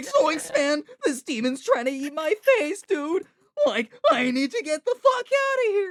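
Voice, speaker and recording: A put-on character voice, high-pitched and fairly slow, with very wide pitch swings. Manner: panicked, exaggerated.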